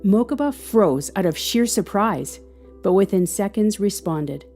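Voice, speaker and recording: A woman reading scripted fiction as an expressive audio drama narrator. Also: mid-range voice, unhurried, soft background music.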